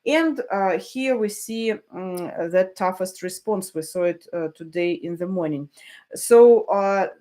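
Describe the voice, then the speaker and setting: A woman's voice: fairly low pitch, slow, dark tone. Woman journalist, live commentary, hesitant delivery with restarts. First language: Russian. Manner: hesitant, many fillers and restarts. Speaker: journalist hosting a live stream. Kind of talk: live stream commentary, reading viewer messages.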